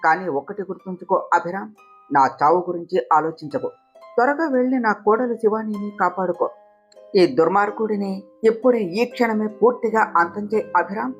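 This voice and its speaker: A dying storybook mother speaks her last words weakly and tearfully, as a woman narrator lowers her voice to play her. She sounds full of remorse. The recording is slightly dull, with gentle guitar music behind. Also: moderate pace, lightly acted.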